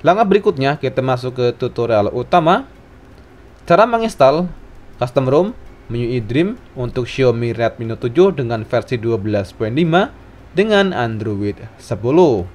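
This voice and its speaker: A man's voice: medium pitch, animated, normal speed, darkish tone. A man narrating a scripted tech tutorial, giving instructions phrase by phrase.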